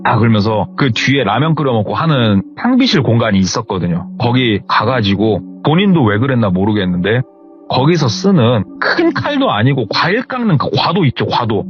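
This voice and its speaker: Animated male horror storyteller. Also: medium pitch, moderate pace, soft background music. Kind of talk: retelling a viewer's horror story. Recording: slightly muffled lo-fi recording.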